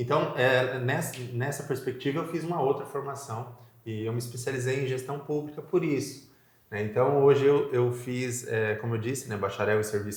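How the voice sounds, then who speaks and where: A man speaks at medium pitch and a moderate pace with ordinary pitch variation. There is audible room echo. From Altônia, Paraná, Brazil. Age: 30s. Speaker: municipal education secretary, local politician. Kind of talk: interview. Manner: halting, many fillers.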